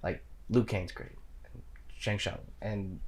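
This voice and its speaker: Animated, opinionated film show co-host. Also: low-pitched, takes it slowly. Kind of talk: casual pop-culture chat.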